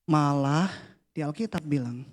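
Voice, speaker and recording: A man, preaching a casual, playful youth sermon that drops to a hush for the prayers. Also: fairly high pitch, measured pace. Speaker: youth pastor. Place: church hall.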